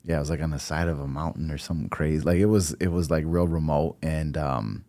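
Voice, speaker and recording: A young man with a very deep voice talks through his life story in a relaxed, meandering way. He is a financial advisor chatting as a guest in his office. The sound is dry and close. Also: quick pace, dry recording. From born in Costa Rica, raised in Milwaukee. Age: young adult. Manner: relaxed, rambling storytelling with many fillers. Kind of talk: casual interview conversation. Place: high-rise office.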